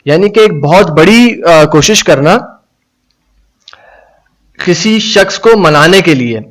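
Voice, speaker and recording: Slow-reading man teaching English. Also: high-pitched, animated, a bit bright, low-quality recording. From Pakistan. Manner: slow, deliberate reading of English phrases, then explaining in Urdu; reads viewers' comments aloud. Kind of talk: live-streamed English lesson in Urdu.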